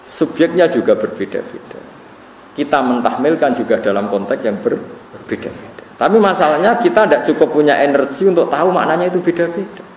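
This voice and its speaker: Javanese cleric giving an animated lecture. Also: male voice, a little high, fairly quick. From Central Java, Indonesia. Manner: animated storytelling with chuckling asides. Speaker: Islamic scholar teaching Quran commentary. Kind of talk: religious study lecture. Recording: roomy, distant recording with faint hum.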